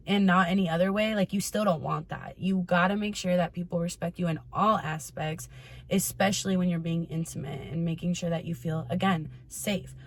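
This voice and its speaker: Woman, lowish pitch, casual vlog monologue, candid, informal, sweary, advice host. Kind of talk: casual chatty monologue to followers.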